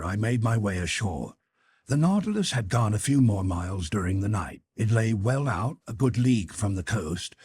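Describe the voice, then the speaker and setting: A man narrating a classic adventure novel as an audiobook, reading in a measured, enunciated storytelling manner. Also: on the low side, a little mellow, slightly rough, no echo.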